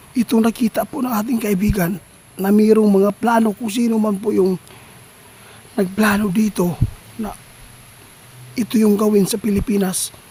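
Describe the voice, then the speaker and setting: Against noticeable background noise in a dry, close sound with no echo, a man speaks at a high pitch and a moderate pace, flat and monotone, with long, frequent pauses. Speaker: paranormal vlogger. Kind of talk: vlog narration. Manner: halting.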